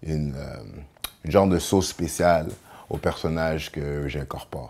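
A man speaks in a Haitian accent at a very deep, low pitch. His delivery is fairly slow, with fairly even intonation. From Quebec, Haitian family. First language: Haitian Creole (speaking French). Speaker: actor and dancer; actor. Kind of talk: interview monologue. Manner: halting, many fillers and repetitions. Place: home room. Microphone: lapel.

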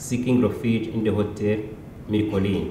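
A man speaks over light background noise, with audible echo in the room. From Rwanda. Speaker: genocide survivor giving testimony; speaker. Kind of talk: testimony. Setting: stage with audience at commemoration event. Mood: solemn, measured. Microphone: podium.

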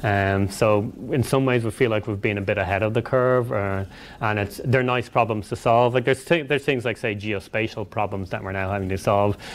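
With a Dublin accent, a man speaks at a fairly quick pace in a fairly low voice, showing ordinary pitch variation and hardly any pauses. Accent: Irish (Dublin). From Ireland. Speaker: software engineer; speaker. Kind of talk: lecture. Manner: loud.

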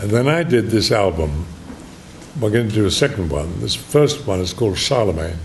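Man with a British accent, fairly low pitch and very wide pitch swings, moderate pace, light background noise. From London, England. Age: 80s+. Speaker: actor. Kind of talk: interview answer. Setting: lecture hall. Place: home room.

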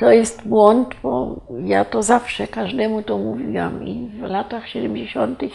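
A woman's very deep, low voice with very wide pitch swings, a very slow pace, and light background noise. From Lower Silesia, Poland (Wałbrzych area); Lower Silesia, Poland. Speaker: local history witness; interview guest. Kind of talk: interview; interview answer, recalling memories. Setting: studio. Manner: halting. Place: studio. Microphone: lapel.

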